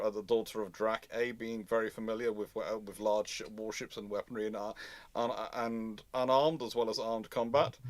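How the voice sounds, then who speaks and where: A man with a mid-range voice hosts an unscripted history discussion, answering audience questions. He thinks aloud and rephrases often, and the recording has no echo.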